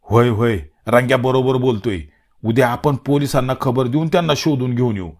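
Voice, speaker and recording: A man's voice: medium pitch, moderate pace, close to an everyday voice. A man voicing an anxious village man with a rural Marathi dialect who keeps pleading to go to the police. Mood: worried. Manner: fretful, pleading.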